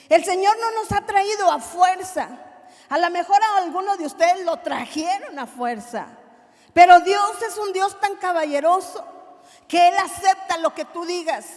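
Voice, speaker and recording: High-voiced woman preaching in an echoing hall. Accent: Mexican Spanish. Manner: impassioned, swings from hushed to loud. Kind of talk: sermon.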